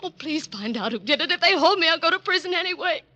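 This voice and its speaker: A woman's voice: very high-pitched, lively intonation, quick pace, bright, forceful tone, dull audio, heavily acted. A haughty young society woman. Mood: defensive. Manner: haughty, defensive and tense. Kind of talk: 1940s radio acting.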